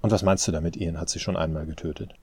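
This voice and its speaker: A man with a low, dark voice playing a tired adult son who talks tersely and with strain, in an audiobook. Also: steady tone, fast, gravelly, breathy edge, dry recording, exaggerated voice. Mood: weary.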